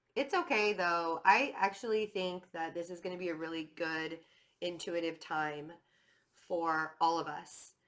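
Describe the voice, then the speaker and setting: A woman speaks loudly. Her pitch variation is ordinary. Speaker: tarot reader. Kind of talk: tarot reading. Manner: casual, filler-heavy.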